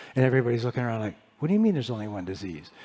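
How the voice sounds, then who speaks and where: Lively intonation from a man in an American accent. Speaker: dentist. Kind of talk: conference talk. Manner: fast; halting, many repetitions.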